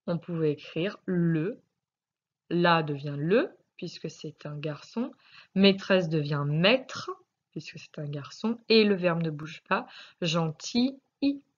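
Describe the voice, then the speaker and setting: A woman teacher with a French accent, slowly and patiently correcting a spelling lesson for young pupils, sounding out syllables. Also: on the low side, lively intonation, muffled recording. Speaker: primary school teacher.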